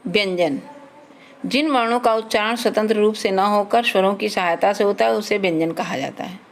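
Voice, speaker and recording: A woman's voice: medium pitch, normal speed. A woman teaching a children's grammar lesson, reading out letters and example words one at a time.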